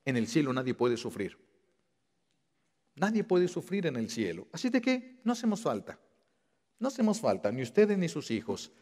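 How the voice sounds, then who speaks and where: Impassioned priest preaching in an echoing church. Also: male voice, on the high side, big pitch swings, normal speed, long pauses, a little mellow. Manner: impassioned, repeating key phrases, stretching words out for weight. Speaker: Catholic priest. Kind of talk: sermon.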